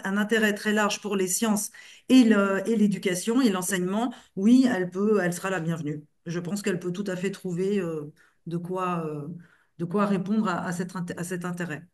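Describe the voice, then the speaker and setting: A woman trainer explaining what a course covers, speaking haltingly with many fillers. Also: mid-range voice, steady tone, darkish tone.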